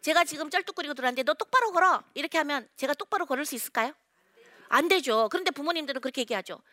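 A woman counselor giving an earnest talk to parents, swinging between loud urging and hushed storytelling. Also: sits high, racing, no echo.

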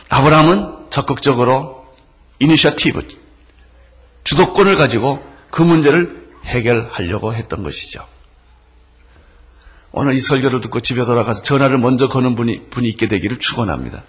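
A man preaching a sermon, emphatic, swinging between loud stresses and soft drops. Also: mid-range voice, breathy edge. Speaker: pastor.

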